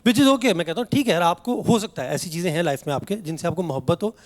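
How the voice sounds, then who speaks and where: A young man doing stand-up on a comedy stage, and his voice sits high for a man. He tells family stories with animated delivery and briefly acts out his parents and relatives as he goes. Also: fast talker. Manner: animated storytelling, acting out family members. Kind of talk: stand-up routine. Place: comedy stage before a live audience.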